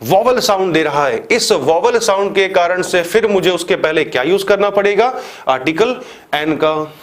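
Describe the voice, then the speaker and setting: A man with an Indian accent teaching a grammar lesson for exam students, asking questions and answering them himself, repeating examples step by step. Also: high-pitched. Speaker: English teacher for exam prep. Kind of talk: classroom lecture.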